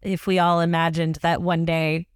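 A woman hosting a podcast, relaxed and easy to laugh, chatting and then closing the show. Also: lowish voice, normal speed, smooth, dry recording, clean studio sound. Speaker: podcast host. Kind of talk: casual chat and show outro.

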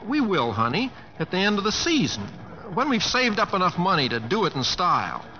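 An actor playing a bashful, earnest Oklahoma cowboy in an old-time radio drama, with a rural Oklahoma accent and a hesitant, folksy drawl. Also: male voice, high-pitched, sing-song, fairly quick, sharp tone, exaggerated voice. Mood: sheepish, coaxing. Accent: American, rural Oklahoma. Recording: dull vintage radio recording, faint music.

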